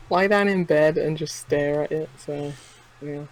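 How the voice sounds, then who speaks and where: A woman's voice: low voice, slow, low-quality recording. A woman co-hosting a casual gaming podcast, chatting and giggling between remarks. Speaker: podcast co-host. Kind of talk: casual chat.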